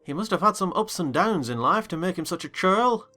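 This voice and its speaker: A reader voicing a curious, formal gentleman tenant who narrates in first person. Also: medium pitch, expressive, a little fast, faint music behind. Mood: inquisitive. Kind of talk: dramatized audiobook reading.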